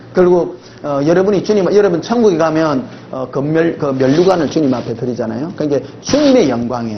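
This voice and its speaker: Speaking fairly quickly with a Gyeongsang accent, a man uses a fairly high pitch and lively intonation. Audible room echo and noticeable background noise fill the recording. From Gyeongsang region, South Korea. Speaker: pastor. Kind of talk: sermon.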